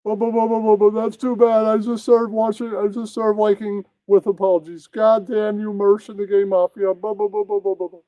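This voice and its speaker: Man doing a high, stammering, babbling puppet. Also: level tone, fairly quick, hardly any pauses, no room sound, lightly acted. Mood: dismayed, peeved. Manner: stammering, babbling nonsense syllables. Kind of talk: improvised adult puppet comedy. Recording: dull, muffled lo-fi sound.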